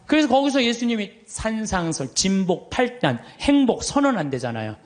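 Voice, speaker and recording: A middle-aged man, a Catholic priest, telling stories in a lively sermon, acting out the voices of others and laughing as he goes. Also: high-pitched, normal speed. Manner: animated, acts out quoted voices, laughs often.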